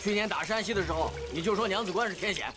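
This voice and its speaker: A man's voice: sits high, very fast, natural voice. Brash scoffing Beijing man, an actor playing him. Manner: blunt, teasing, scoffing. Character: Beijing barber-rickshaw type Xiao Cui, brash, mocking. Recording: drama soundtrack with music behind.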